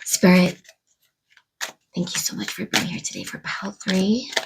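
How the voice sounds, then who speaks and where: A woman's voice: mid-range voice, very animated, normal speed, creaky, background noise. Woman reading tarot cards to camera, a bit congested from a cold, talks to spirit as she goes. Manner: musing aloud, addressing spirit and viewers. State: stuffed up from a cold. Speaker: tarot reader.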